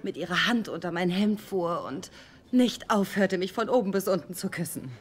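A woman's voice: lowish voice, animated, moderate pace, slightly rough. An actress dubbing a bold, flirtatious, mischievous woman in a sitcom, with a cheeky, teasing manner. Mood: seductive storytelling. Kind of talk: dubbed sitcom acting.

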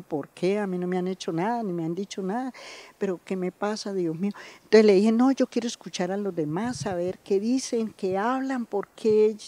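A woman's voice: medium pitch, no echo. Older woman telling her story. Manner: lively storytelling, acting out quoted voices. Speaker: community member giving testimony. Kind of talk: personal testimony.

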